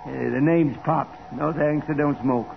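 An actor playing a kindly, humble old garage owner, folksy and earnest, in a 1940s radio drama. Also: male voice, a little high, fairly even intonation, a little slow, vocal fry. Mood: friendly, modest. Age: older. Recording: dull, noisy 1940s radio recording.

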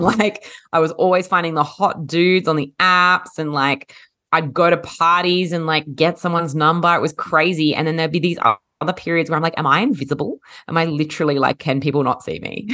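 A woman with a low voice co-hosts a relaxed chat podcast. She is a little husky from a head cold. She talks in a chatty, animated way and laughs often. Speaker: podcast co-host. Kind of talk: casual chat.

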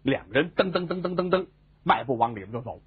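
A man telling a comic story, animated and voicing many characters. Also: mid-range voice, fairly quick, husky. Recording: tinny phone-like sound.

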